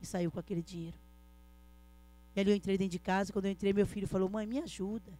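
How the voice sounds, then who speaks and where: A woman's voice: medium pitch, little pitch movement, rapid-fire, dark tone. A middle-aged woman telling her story in an emotional church testimony, earnestly addressing her listeners as brothers. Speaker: church speaker giving a testimony.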